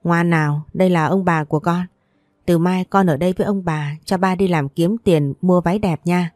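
A woman's voice: lowish voice, steady tone, normal speed, a little mellow, no room sound, clean studio sound, natural voice. A woman voicing a loyal, easygoing young man who teases and speaks respectfully to his parents in a storybook.

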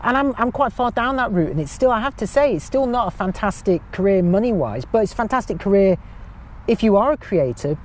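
High-voiced man, chatty and self-mocking. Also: a little hiss or hum. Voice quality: high-pitched voice. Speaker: podcast guest. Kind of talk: casual chat.

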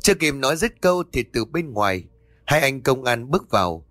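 A man calmly narrating a ghost story in a steady, measured way. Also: medium pitch, no echo. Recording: dry voice over faint music.

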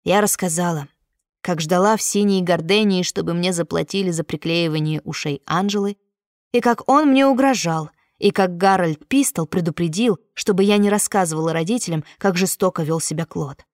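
A woman's voice: fairly low pitch, moderate pace, dry recording. A woman narrating a novel in the first person as an audiobook reader, close to the mic.

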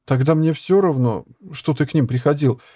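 A man's voice: medium pitch, lively intonation, moderate pace, dark tone, dry recording, clean studio sound, voice pushed up, close to an everyday voice. A man voicing a frail, timid young girl who pleads in a raised voice, in an audiobook reading. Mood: pleading.

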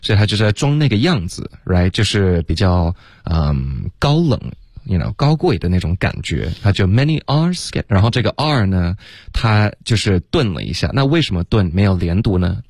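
A man teaching English pronunciation on a radio lesson in a relaxed way, often dropping "OK" and "right" between explanations and slowly sounding out words. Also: deep voice, husky, no echo.

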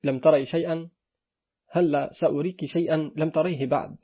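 A man voicing a hypochondriac old father who scolds his little daughter, with a husky voice. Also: on the high side, steady tone, a little fast. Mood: angry. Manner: stern scolding, then loud wailing grief. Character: fussy hypochondriac old father, quick-tempered. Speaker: audiobook reader voicing a character. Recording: dull lo-fi recording.

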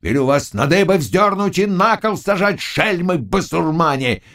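A man voicing a swaggering, hot-tempered old nobleman who bellows and scolds gruffly in an audiobook. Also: on the high side, wildly swooping pitch, takes it slowly, a bit bright, voice pushed up, full character voice. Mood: bellowing. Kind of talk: audiobook character voice.

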